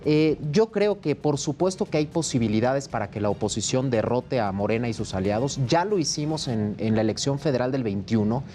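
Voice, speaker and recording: A man from Mexico, a political guest on a panel show, arguing his points in an emphatic, steady way. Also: medium pitch, a little fast, few pauses, faint music behind. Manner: emphatic, argumentative. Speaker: opposition party politician guest.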